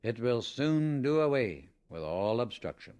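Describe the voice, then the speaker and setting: A man narrating a scripted spiritual audiobook in a measured, emphatic, instructional manner. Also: mid-range voice, very animated, a little mellow, clear, resonant tone.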